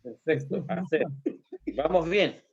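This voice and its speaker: A man, a Bible study participant who reads verses in a halting way and comments. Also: fairly high pitch, creaky, husky, lo-fi sound. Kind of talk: reading scripture and discussing.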